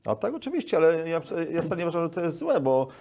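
A man's voice: on the high side, sing-song, fast talker, gravelly, mellow. A Polish man in his sixties answering interview questions as an official, wordy and repeating words mid-sentence, on a lapel microphone. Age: 60s. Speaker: guest, local government official.

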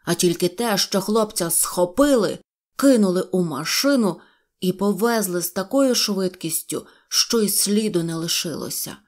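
A suspicious male toy general barks slow, heavy orders and sees enemies everywhere, as a woman puts him on. His voice is raised and emphatic, a storybook commander of tin soldiers. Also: lowish voice, animated, a little mellow, natural voice. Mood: alarmed.

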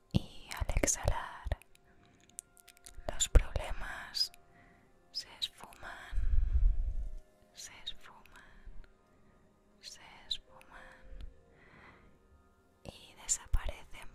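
Very slow whispering Spanish woman, ASMR. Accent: Spain. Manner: soothing, gentle, unhurried. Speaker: ASMR creator guiding meditation. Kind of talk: whispered ASMR guided meditation. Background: music.

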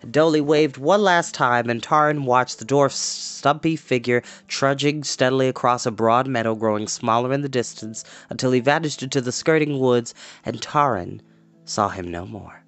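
A man's voice: medium pitch, moderate pace, a bit bright, no room sound. A man in his twenties hosting a storytime, reading a storybook expressively with casual asides. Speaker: storytime host and reader. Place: small home room, indoors.

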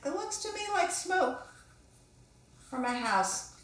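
A woman in her fifties with a fairly high voice speaks casually to young children as an author and illustrator giving a lesson. She thinks out loud and encourages them with questions. The room around her is clearly echoey. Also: very animated, slow pace, slight background noise. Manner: encouraging, musing aloud with questions to the viewer. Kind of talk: casual instructional talk to children. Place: small indoor room with echo.

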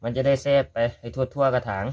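A man's voice: medium pitch, level tone, quick pace, darkish tone. Chatty man with a Korat Thai accent. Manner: chatty, addresses viewers as brothers and sisters. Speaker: gardening vlogger. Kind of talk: casual how-to vlog.

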